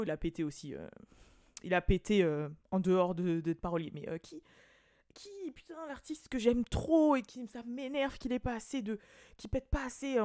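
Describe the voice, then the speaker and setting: A woman's voice: mid-range voice, no room sound, studio quality. A woman hosting a celebrity gossip podcast, talking in a rambling, chatty way full of fillers and restarts. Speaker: podcast host. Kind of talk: casual celebrity gossip chat.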